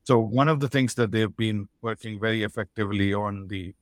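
A man explaining planning processes in a measured way as a podcast guest. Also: fairly low pitch, dry recording, clean studio sound. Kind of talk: business interview talk.

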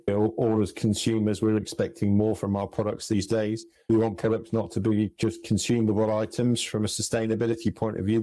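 Low, flat-voiced man, dry sound. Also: no room sound, rough recording. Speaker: guest, solution manager. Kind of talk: podcast interview answers.

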